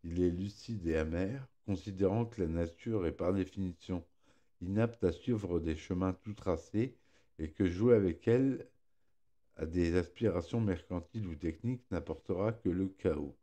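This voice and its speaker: A man's voice: deep voice, normal speed, dark tone. A man presenting a scripted film review, reading aloud with slightly impeded articulation and occasional stumbles that he corrects. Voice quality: slightly impeded articulation from a fresh tongue piercing. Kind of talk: scripted narration read aloud, film chronicle.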